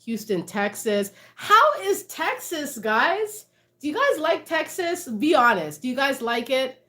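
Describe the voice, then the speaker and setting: A woman's voice: high-pitched, big pitch swings, unhurried, sharp tone. A woman, chatting casually with livestream viewers, reading out their comments and laughing often. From Canada. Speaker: livestream host.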